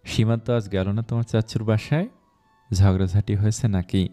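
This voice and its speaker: A man's voice: fairly low pitch, steady tone, moderate pace, dark tone, soft background music, close to an everyday voice. A man voicing a friendly young woman, an older sister in a spoken story, talking in a teasing, chatty way.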